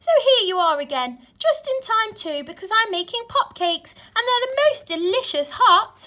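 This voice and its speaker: A woman puts on a squeaky character voice at an extremely high pitch. She keeps a moderate pace with hardly any pauses. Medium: read story.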